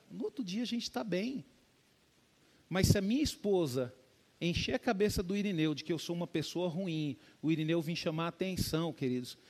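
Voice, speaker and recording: A man's voice: high voice, darkish tone. A man preaching a conversational sermon as a pastor, often addressing the congregation as "dear ones". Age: adult with a young child.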